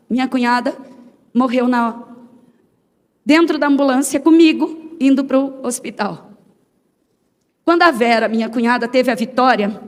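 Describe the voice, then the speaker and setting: A woman's voice: high voice, big-room sound. A woman telling her personal testimony as a sermon, acting out the dialogue she quotes as she tells the story. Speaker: testimony speaker.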